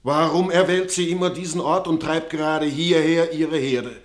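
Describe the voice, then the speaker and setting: A man's voice: fairly high pitch, steady tone, moderate pace, natural voice. An actor playing an anxious, pious old peasant father in a classical radio play, solemn and declamatory. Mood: brooding. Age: older.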